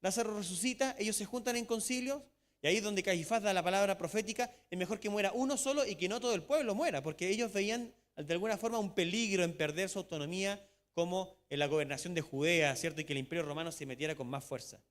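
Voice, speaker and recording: A Chilean man preaching a sermon as pastor, reading scripture emphatically and slowing down to stress key words. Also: sits high. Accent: Chilean Spanish. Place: church sanctuary. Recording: long church reverb.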